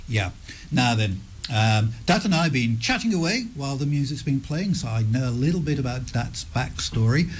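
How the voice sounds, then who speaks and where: A man hosting a radio interview in a studio, speaking gently and summing up his guest's answers. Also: mid-range voice, animated, normal speed, slight background noise. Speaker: radio host. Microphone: studio microphone.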